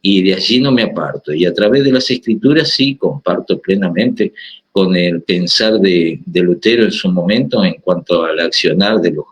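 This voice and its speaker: Argentine guy on a panel, really low husky voice, lots of um and restarts. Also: normal speed, muffled recording. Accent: Argentine Spanish. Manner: hesitant, many fillers and restarts. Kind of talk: panel discussion.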